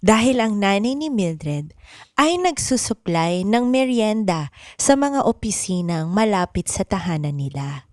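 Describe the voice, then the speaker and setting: A woman's voice: mid-range voice, sing-song, measured pace, no room sound. A woman hosting an improv comedy show and narrating its radio drama into a close studio microphone.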